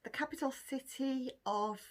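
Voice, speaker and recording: A woman's voice: high voice, a little slow. A middle-aged Welsh woman from Cardiff, chatting casually through a list of questions for her vlog, with frequent ums and laughter. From Cardiff, Wales. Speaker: vlogger. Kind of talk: casual chat answering a question tag.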